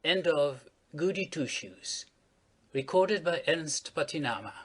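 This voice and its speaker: A man narrates a storybook tale. His voice is slightly high and husky, and his pitch moves in a lively, expressive way as he reads. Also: a little slow. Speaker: audiobook narrator.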